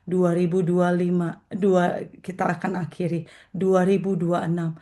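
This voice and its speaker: A woman's voice: fairly low pitch, little pitch movement, a little slow, warm tone. A woman evangelist giving a morning prayer sermon, earnest and repeating phrases for emphasis, addressing her listeners as brothers and sisters. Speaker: evangelist preacher.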